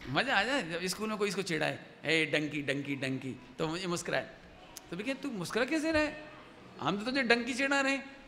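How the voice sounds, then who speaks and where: A man's voice: high-pitched, a little fast. A man giving a devotional sermon to an audience, telling stories and asking his listeners questions. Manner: lively storytelling, asks the audience questions. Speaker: religious teacher giving a discourse. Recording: long hall reverb with faint background noise.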